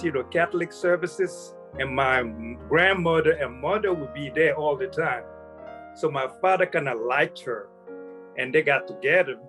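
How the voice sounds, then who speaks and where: A man in his sixties, born in Vietnam, telling his life story as an interview guest in a halting way that often restarts phrases. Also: on the high side, fairly bright tone. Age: 60s.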